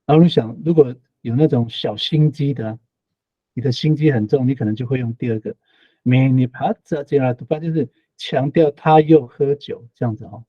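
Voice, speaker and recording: A man's voice: mid-range voice, brisk, no room sound, lo-fi sound. A man teaching an online language class, explaining patiently, repeating phrases and ending sentences with tag particles.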